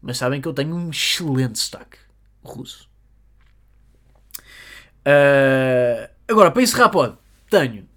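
A podcast host with a European Portuguese accent, telling a comedic story in an animated, jokey way. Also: medium pitch, unhurried, long pauses. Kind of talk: comedic monologue.

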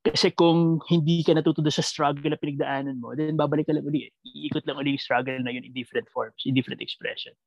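A Filipino man answering reflectively in conversational Taglish, mixing Tagalog and English, halting and repeating words as he thinks aloud with a creaky voice. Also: on the high side, steady tone, no echo, highs cut off.

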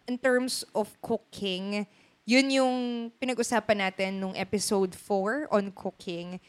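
A Filipina woman with a cough, co-hosting a podcast in casual chat and mixing English in as she teases and laughs. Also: medium pitch. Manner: laughs often, mixes English into Tagalog, lively teasing. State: has a cough. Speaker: podcast co-host.

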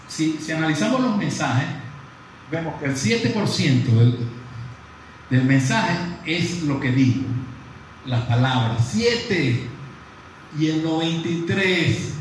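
Man lecturing in a very echoey hall. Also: a little high. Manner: lively, conversational, asks the audience questions. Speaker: psychologist lecturing dentists. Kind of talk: live lecture to an audience. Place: large room with audience. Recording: very echoey hall from far off, faint noise.

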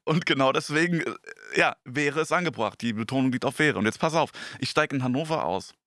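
A man's voice: medium pitch, expressive, quick pace, fairly bright tone, dry recording, studio quality. Crude, heated male comedian ranting. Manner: crude slangy rant, growing heated. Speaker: comedian and podcast guest. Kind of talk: casual podcast conversation.

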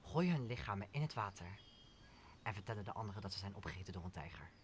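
A scheming villain played by a young man plots in a radio play. His voice is very low and he is impatient with others. Faint noise sits behind him. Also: lively intonation, quick pace, close to an everyday voice. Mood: impatient, menacing. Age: young adult. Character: scheming, impatient villain plotting in hushed tones. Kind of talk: Dutch audio drama of Shakespeare.

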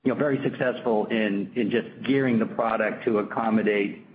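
A man speaking as a company executive on an earnings call, piecing his answer together in halting phrases. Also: lowish voice, fairly even intonation. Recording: tinny, noisy conference phone line.

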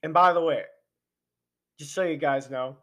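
A man with a fairly high, pushed, bright voice talks at normal speed. He's a podcast host launching into a heated political rant built on rhetorical questions, his voice failing as he goes.

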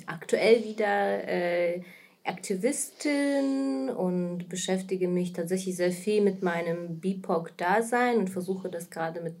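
A woman's voice: lowish voice, darkish tone. A woman in her thirties from Kazakhstan, a native Russian speaker, talks in German with a Russian accent in a casual interview as a guest. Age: 30s. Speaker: podcast guest, anti-racism activist and trainer.

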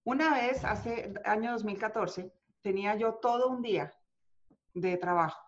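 A woman guest speaking about charisma, emphatic and deliberate, counting off her points. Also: mid-range voice. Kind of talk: motivational interview talk. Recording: slightly dull lo-fi sound.

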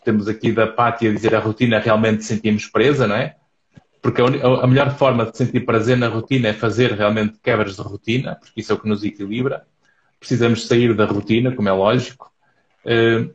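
A man from Portugal with a European Portuguese accent, speaking in a measured, thoughtful way on a casual live chat and reading out viewers' comments. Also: medium pitch. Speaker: psychologist co-hosting a live stream. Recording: dull lo-fi audio.

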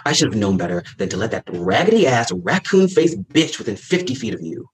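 A man's voice: lowish voice, very animated, fairly quick. A man reading the part of a campy, dramatic young gay man who was just dumped, in a comedy script reading, profane and theatrical. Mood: sassy. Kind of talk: comedy script table read.

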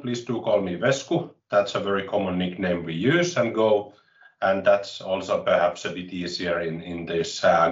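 A man in his late forties from Finland with a Finnish accent, chatting as an interview guest in a halting way, often restarting phrases, with wry self-mockery, heard over a video call. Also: lowish voice, echoey room, recorded from a distance, muffled recording. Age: late 40s. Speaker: interview guest, tech consultant. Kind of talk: casual interview chat.

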